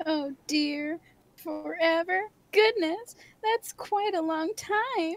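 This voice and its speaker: In a put-on character voice, a female-sounding speaker talks at a very slow pace with an extremely high pitch. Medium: read story. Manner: soft, hesitant.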